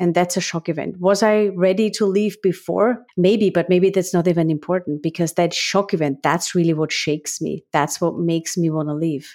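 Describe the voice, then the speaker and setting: Speaking with an Austrian accent, a woman has a fairly low pitch and ordinary pitch variation. Her pace is moderate. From Austria, Graz. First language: German. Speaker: HR analytics researcher. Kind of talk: interview. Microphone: good-looking, better mic than hosts.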